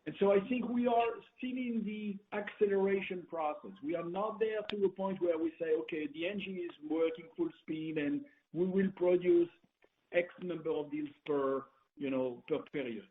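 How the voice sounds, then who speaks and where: A man speaking as a company executive answering questions on an earnings call, often pausing and repeating his words as he rephrases. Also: a little high, slight background noise. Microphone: conference call line. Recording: tinny, narrow phone conference line.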